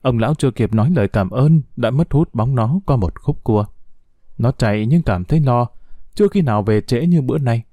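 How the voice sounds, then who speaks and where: A man narrates a heartfelt, sorrowful story, his voice moving freely up and down. The tone is dark and mellow. It sounds close and dry. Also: mid-range voice, no echo. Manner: slow, expressive, heartfelt.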